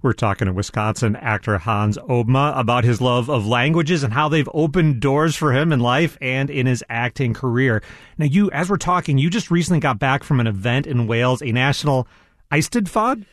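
A man's voice: mid-range voice, normal speed, dry recording, clean studio sound. Self-deprecating male radio host. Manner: friendly, self-deprecating, curious. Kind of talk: radio interview.

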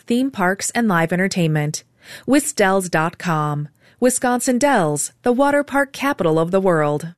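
A woman reading a scripted sponsor spot in a bright, inviting way. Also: medium pitch, dry recording, clean studio sound. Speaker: sponsor announcer.

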